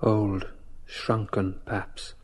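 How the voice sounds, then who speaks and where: A man's voice: fairly low pitch, little pitch movement, drawn-out words. A man playing a brooding young man's inner voice, reciting a poetic monologue in an audio drama. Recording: long cavernous reverb.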